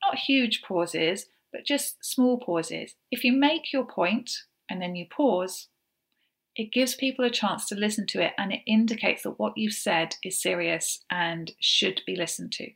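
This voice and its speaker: Woman podcast host, practical coaching talk delivered at a measured pace. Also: medium pitch, vocal fry. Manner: practical, explains step by step with gentle fillers.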